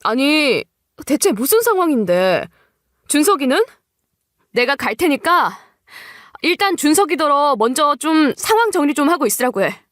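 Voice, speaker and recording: A woman's voice: high-pitched, big pitch swings, moderate pace, a bit bright, no echo, clean studio sound, voice pushed up. A woman acting an anxious pregnant company boss in an audio story. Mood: alarmed. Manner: anxious, hesitant.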